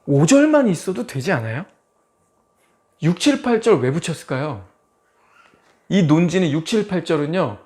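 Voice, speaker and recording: A man in his forties preaching an expository sermon as pastor, lively and full of rhetorical questions to the congregation. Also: on the high side, moderate pace, pauses often. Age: 40s.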